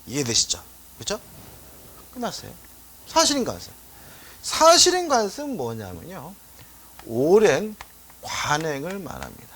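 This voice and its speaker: Animated middle-aged male law lecturer. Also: on the high side, a little slow, pauses often, slight background noise. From Seoul, South Korea. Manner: chatty, asks rhetorical questions, tells anecdotes. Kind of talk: exam-prep lecture.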